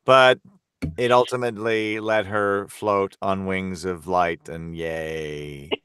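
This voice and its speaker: Smooth resonant guy on a podcast, expressive, stops and repeats words, dry close mic. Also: low-pitched, slow, no room sound. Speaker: voice actor, podcast guest. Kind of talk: casual podcast discussion.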